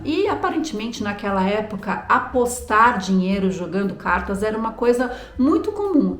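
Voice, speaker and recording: Brazilian woman telling a true story like a chat, highish voice, pretty echoey room sound. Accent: Brazilian Portuguese. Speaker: host telling a true-crime history story. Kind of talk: conversational storytelling narration.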